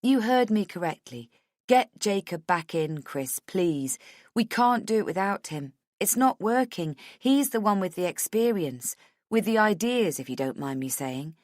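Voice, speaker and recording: A woman's voice: medium pitch, animated, a little slow, darkish tone, dry recording, clean studio sound, natural voice. A woman voicing an insistent, defensive female podcaster who argues and pleads, in audiobook dialogue. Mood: pleading. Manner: pleading, argumentative.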